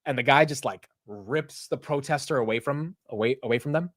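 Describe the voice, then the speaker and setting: A man's voice: medium pitch, a little fast, no echo, clean studio sound. A young American man hosting a casual market livestream, ranting with profanity and poking fun at himself. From United States. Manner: animated, ranting, profane and self-mocking. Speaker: livestream market show host.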